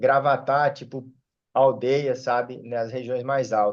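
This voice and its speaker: Spoken at a fairly slow pace, the voice has a southern Brazilian accent and a monotone, flat intonation. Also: man. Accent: southern Brazilian (gaúcho). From interior of Rio Grande do Sul, Brazil. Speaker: church member sharing at Bible study. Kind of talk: Bible study group discussion. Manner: hesitant, with fillers.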